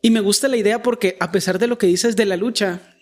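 A man's voice: high-pitched, fairly even intonation, brisk. A Mexican man with a Mexican Spanish accent, chatting casually about faith and slipping in joking, self-deprecating asides.

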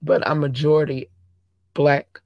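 A hoarse man from the United States giving emphatic casual commentary into his own desk mic, repeating words, swearing and pushing louder on his key points. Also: a little high, level tone, a little slow, no room sound, highs cut off. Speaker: vlogger commenting on a news clip. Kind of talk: casual talk-to-camera commentary.

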